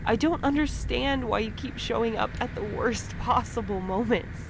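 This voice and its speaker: A woman's voice: a little high, moderate pace, gravelly, crowd noise, low-quality recording. An actress playing a guarded, exasperated and sarcastic woman in an audio drama, speaking bluntly. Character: exasperated, guarded, sharp-tongued woman facing her double. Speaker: fiction podcast actor.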